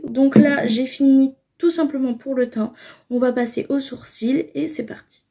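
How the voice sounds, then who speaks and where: A woman's voice: high-pitched, normal speed, dark tone, breathy edge. A young woman casually talking through her makeup routine, explaining each step with frequent fillers. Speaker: beauty vlogger.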